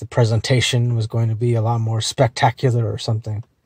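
A man's somewhat breathy, dark and mellow voice at a moderate pace, flat and monotone, dry with no echo over a quiet background. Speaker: delivery driver vlogger. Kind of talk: casual vlog chat. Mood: relaxed, explanatory. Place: car. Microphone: phone near.

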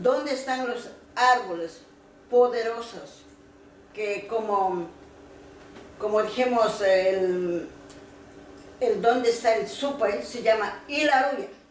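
Through noticeable background noise, a woman with a fairly high pitch speaks very slowly with ordinary pitch variation and long, frequent pauses. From Ecuadorian Amazon, Pastaza. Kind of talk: talk about forest and plants.

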